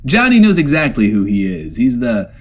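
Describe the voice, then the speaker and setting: An actor playing a neurotic, self-doubting radio host in a post-apocalyptic comedy audio drama, rambling and stammering theatrically. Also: male voice, mid-range voice, wildly swooping pitch, normal speed. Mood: wavering bravado. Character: neurotic, self-doubting male bunker-dwelling radio host, putting on bravado. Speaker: radio show host character.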